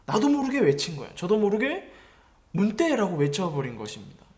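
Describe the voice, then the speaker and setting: High-voiced young pastor preaching gently. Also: male voice, huge pitch swings, fast talker. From Gyeongsang region. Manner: gentle storytelling with questions to listeners. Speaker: youth pastor. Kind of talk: sermon to middle schoolers.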